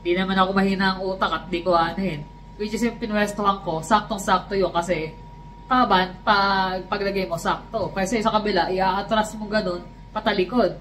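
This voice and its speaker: A woman from the Philippines chatting casually on a vlog, telling her story with lively energy and quoting people in English. A faint hum of ambience sits behind her voice. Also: medium pitch, moderate pace, low-quality recording. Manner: animated storytelling, switching into English quotes. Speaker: vlogger. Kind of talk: casual chat.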